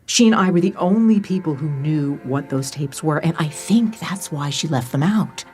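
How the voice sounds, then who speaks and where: A woman's voice: low-pitched, lively intonation, a little mellow, faint music behind. A woman acting as an earnest middle-aged family friend, speaking carefully and without pushing, in a naturalistic audio drama. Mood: earnest, reassuring. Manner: earnest, measured, careful not to push. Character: earnest, careful old friend entrusting keepsake tapes.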